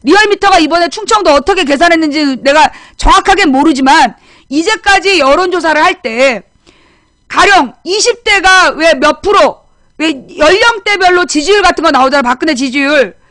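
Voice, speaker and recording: A woman's voice: extremely high pitch, lively intonation, normal speed, a bit bright, no room sound. A woman hosting a political talk show, chatting bluntly and scolding, repeating her points for emphasis. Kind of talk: casual political commentary chat.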